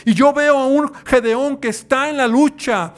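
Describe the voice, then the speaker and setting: A man's voice: very high-pitched, measured pace. A man with a Mexican Spanish accent, a pastor preaching a sermon and asking the listener questions as he goes.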